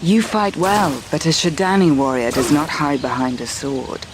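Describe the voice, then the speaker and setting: A woman's voice: deep voice, normal speed, noisy background, close to an everyday voice. A woman playing a proud, scornful tribal warrior in a video game, haughty and menacing.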